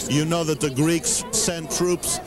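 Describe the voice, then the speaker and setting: A man's voice: on the high side, fairly even intonation, slow pace, over music. A male interviewer at an outdoor rally asking questions that restate what his guest has said. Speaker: street interviewer. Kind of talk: leading questions in a street interview. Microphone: handheld mic. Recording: outdoor rally with crowd noise behind.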